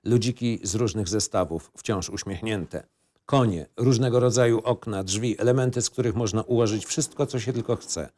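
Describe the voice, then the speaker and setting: A man with a fairly low voice narrates a film script. He reads out scenes and stage directions as the narrator of an audio play. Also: normal speed, warm tone.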